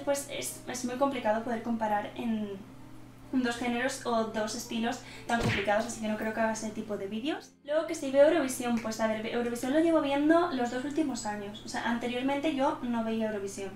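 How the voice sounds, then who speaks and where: An eighteen-year-old woman from central Spain, casually answering viewer questions in a quick, nervous way, stumbling over words and laughing often. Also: fairly high pitch, roomy sound, slight background noise. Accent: Spanish from central Spain. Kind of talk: casual Q&A vlog. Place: small room indoors.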